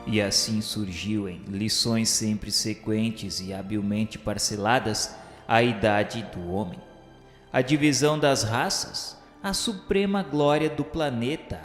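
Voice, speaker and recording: A man acting as a repentant male spirit with a Brazilian accent narrates a radio drama in a mid-pitched voice. He is solemn and full of awe, declaiming grandly with dramatic pauses. The voice rings with long hall reverb over music. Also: natural voice.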